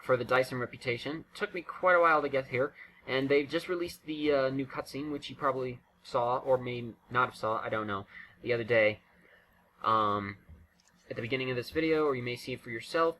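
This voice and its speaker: A man's voice: mid-range voice, fairly quick, pushed and bright, poor audio. A man giving casual, unscripted game commentary in a rambling, self-interrupting way. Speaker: gaming video creator.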